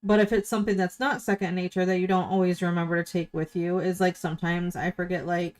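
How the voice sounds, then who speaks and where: A woman's voice: on the low side, flat delivery, fast talker, a little mellow. A middle-aged woman commenting in a casual, opinionated, questioning way.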